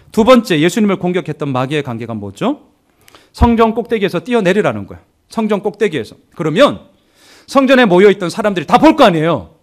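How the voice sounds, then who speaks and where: A male pastor preaching a sermon in an animated way, acting out the voices of others. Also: high voice.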